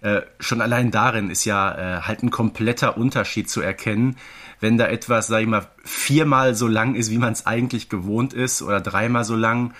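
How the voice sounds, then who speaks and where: A man's voice: fairly low pitch, steady tone, moderate pace, fairly bright tone. A man co-hosting a podcast, explaining things in a casual, conversational way with tag questions. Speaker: podcast co-host. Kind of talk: casual fan podcast chat.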